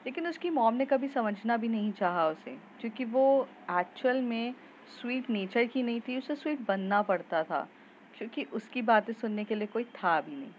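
A woman's voice: fairly high pitch, expressive, moderate pace, lo-fi sound, a little hiss or hum. A woman narrating a love story in a chatty, casual way, with fillers and restarts.

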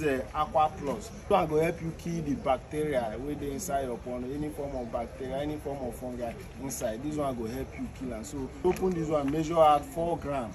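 A man in his thirties with a Nigerian Pidgin English accent, a fish farmer explaining the steps outdoors beside his fish tanks and repeating the key points. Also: fairly high pitch. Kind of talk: outdoor farming tutorial. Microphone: phone camera at a short distance. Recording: outdoor phone video with noticeable ambient noise.

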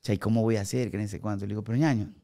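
A man in his forties with an Ecuadorian accent, a guest actor telling animated stories in a podcast studio on a boom mic. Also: very fast. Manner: animated storyteller acting out quoted remarks. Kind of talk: casual podcast storytelling. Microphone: studio mic on boom arm, headphones.

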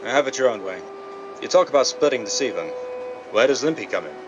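A man's voice: medium pitch, expressive, fairly quick, natural voice. An actor playing a wary, grudging crooked businessman with sceptical, clipped tough talk in a 1930s radio drama. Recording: muffled, noisy old-radio sound.

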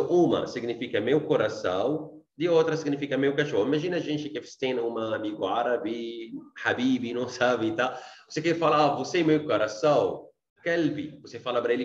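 A man with an Arabic accent teaches an online beginners' class at an even, middle pitch. He repeats phrases and keeps checking in with his students. The sound is dull and a little roomy. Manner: repeats himself, checks in often with tá and gente. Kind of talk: online language lesson.

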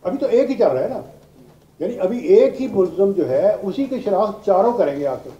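With a warm, high-sitting voice and lively intonation at normal speed, an older man lectures on law in a classroom. A retired judge with a Pakistani accent, he explains step by step, repeats key points and uses English legal terms. The audio is roomy, dull and noisy.

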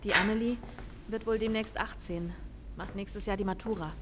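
An actress playing a diligent female police lieutenant in an audio drama. She is earnest and businesslike at a medium pitch, with clear ambient noise behind her. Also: steady tone, moderate pace, close to an everyday voice. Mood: concerned. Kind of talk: German audio drama acting.

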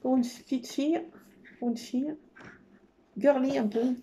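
In an unhurried, high, mellow voice with vocal fry, a crafter gives a casual show-and-tell of her scrapbooking paper. She is enthusiastic, uses many fillers and repeats "trop beau." A slight hiss or hum is present.

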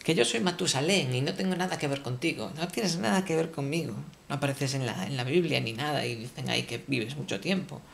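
A man's voice: fairly high pitch, creaky, fairly bright tone, slight background noise. A man doing a grumpy ancient man sick of living. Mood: fed up. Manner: improvised, halting, exasperated.

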